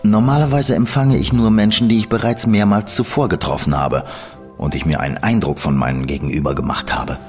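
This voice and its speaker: An actor playing a shrewd, menacing gentleman schemer who speaks in a smooth, ironic and condescending manner. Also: fairly low pitch, fairly quick, soft background music, lightly acted. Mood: cold. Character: shrewd, cool male gentleman spymaster, coldly menacing. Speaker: gentleman in an audio drama. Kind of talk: studio audio drama acting.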